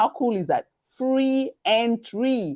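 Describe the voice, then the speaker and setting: A woman with a Kenyan accent. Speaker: webinar host. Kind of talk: live webinar presentation. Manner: halting, many fillers.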